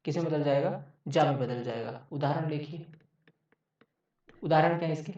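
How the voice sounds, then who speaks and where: A man's voice: fairly high pitch, moderate pace, darkish tone. Man teaching in an echoey room. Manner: repeats each point, checks with frequent "okay". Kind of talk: exam-prep grammar lecture. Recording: echoey, distant, dull mic.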